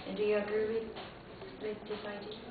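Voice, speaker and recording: A woman interviewing a job applicant, asking questions in a halting way and rephrasing them. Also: mid-range voice, monotone. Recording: distant echoey lo-fi recording with hiss.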